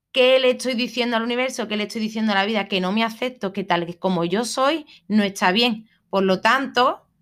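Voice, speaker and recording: A woman's voice: on the high side, fairly bright tone. A woman from hosting a solo self-help podcast, talking in a reflective way and often checking in with her listeners. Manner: reflective, frequent "¿vale?" checks, some fillers. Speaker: podcast host.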